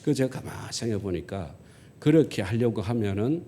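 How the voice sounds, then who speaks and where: A man's voice: fairly low pitch, brisk, a little hiss or hum. An older man with a Gyeongsang accent preaching a sermon as a pastor, telling stories and acting out conversations in dialect. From South Korea. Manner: lively storytelling, acting out dialogue in dialect. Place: church sanctuary. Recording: long church hall reverb.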